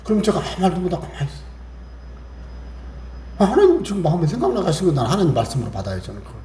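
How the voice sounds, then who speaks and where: Guy pastor giving a sunday sermon, fairly high voice but mellow, acts out bits of talk, roomy church echo. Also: big pitch swings, rapid-fire. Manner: conversational preaching, acts out little exchanges and quotes scripture. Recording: echoey church room, faint hiss.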